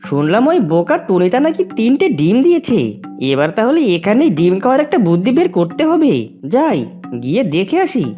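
A woman's voice: on the high side, sing-song, moderate pace, warm tone, soft background music. A woman voicing a sly, scheming cartoon fox who feigns sweet concern in a wheedling way. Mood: scheming, gloating. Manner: wheedling, falsely sympathetic. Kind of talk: children's cartoon voice acting.

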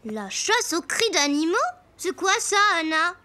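A woman voicing an excitable, curious small schoolchild in a children's cartoon, eager and wide-eyed. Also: very high-pitched, measured pace, exaggerated voice. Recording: loud music behind the voice.

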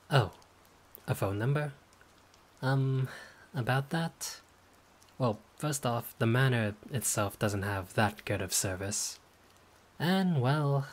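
A man voicing a friendly, caring male vampire lord who talks politely and eagerly, sometimes flustered, in an audio roleplay. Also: lowish voice. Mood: warm. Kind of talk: audio roleplay monologue to the listener.

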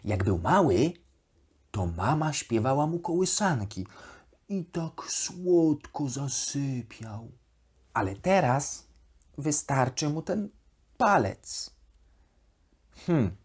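A narrator voicing a naive, chatty, elegant female plush duck reading from her diary in a children's bedtime audiobook, with expressive, wondering, childlike asides. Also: medium pitch, very slow, long pauses, breathy edge, full character voice. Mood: puzzled musing.

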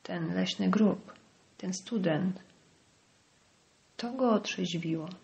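A woman narrating an audiobook in a measured, dramatic reading. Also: on the low side, creaky, a little mellow, muffled recording.

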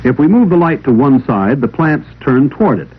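On a thin, phone-like 16mm soundtrack, a man narrates a vintage 1950s classroom science film from a script, teaching in a didactic tone. His medium-pitched, slightly breathy voice moves at normal speed with an expressive rise and fall.

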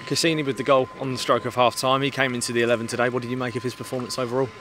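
A man interviewing a football coach after a match, asking brisk, neutral questions outdoors on a pitch at night. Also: level tone, a bit bright, slight background noise. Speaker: club media interviewer.

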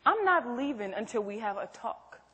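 A woman's voice: fairly high pitch, very animated, normal speed, a bit bright. A woman acting in a stage play as a protective, outspoken best friend, blunt, probing and emphatic. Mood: firm. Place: theatre stage. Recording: echoey theatre hall.

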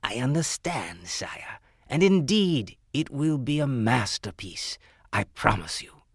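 A man voicing a fawning, eager-to-please male jeweler in a storybook tale, speaking in an obsequious, flattering way. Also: mid-range voice, slow pace, gravelly, slightly rough, no echo, clean studio sound, heavily acted. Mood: deferential.

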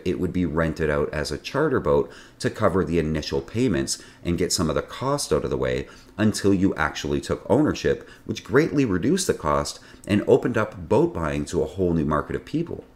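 Guy in his 40s narrating a sailing vlog from his home office, low voice that bounces around a lot, chatty and wry. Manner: lively, chatty delivery with wry asides. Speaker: sailing channel host. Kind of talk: scripted video narration.

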